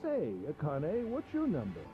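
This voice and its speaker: A cruel, self-satisfied gentleman villain in a video game, talking down to his captive in a mocking, pompous way. The voice sits high for a man and swings widely in pitch, and the game audio sounds dull and lo-fi. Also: wildly swooping pitch, moderate pace, over music. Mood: smug. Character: sneering middle-aged male villain, cruel gentleman captor. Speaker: game character voice.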